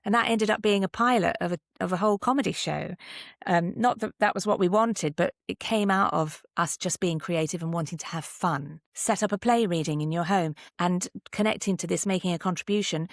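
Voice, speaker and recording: Low, slightly creaky woman giving candid advice. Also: fairly quick, dry recording, clean studio sound. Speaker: podcast guest, actor and drama teacher. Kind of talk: conversational interview advice.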